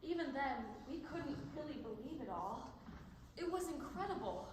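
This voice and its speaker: A young woman plays a steadfast girl who survived the ghetto, in a stage drama. Her voice is high. It rings through a very echoey hall with clear background noise. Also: sing-song, normal speed. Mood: somber, remembering. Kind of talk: stage play acting, memoir narration.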